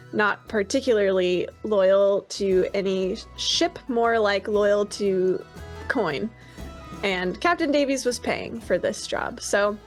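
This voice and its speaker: A woman running a tabletop pirate game, narrating in a casual, chatty way. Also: on the high side. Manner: casual, chatty, laughs easily. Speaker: game master.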